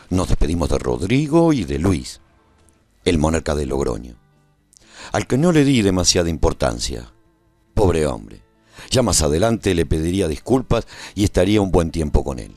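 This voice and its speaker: A man playing a humane war survivor who recounts his own story in an expressive, reflective radio drama narration. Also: low voice, exaggerated voice.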